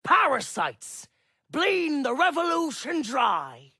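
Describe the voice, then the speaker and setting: A man's voice: very high-pitched, lively intonation, normal speed, heavily acted. An actor playing a bitter, indignant taxman turned revolutionary in a video game, with an agitated, declamatory delivery. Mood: furious, shouting. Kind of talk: dramatic game acting. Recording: echoey hall, loud music behind.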